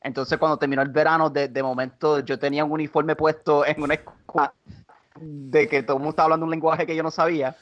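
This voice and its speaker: A Puerto Rican comedian, guesting on a podcast, talks casually in a voice slightly higher than most men's, with little pitch movement and a fairly bright tone. He halts, stumbles and restarts often, slipping English words into his Spanish. The audio is somewhat dull and muffled.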